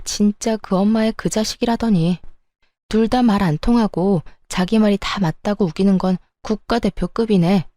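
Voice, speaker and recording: A woman's voice: mid-range voice, warm tone, dry recording, studio quality. A woman narrating a scripted first-person story about family conflict in an indignant storytelling tone.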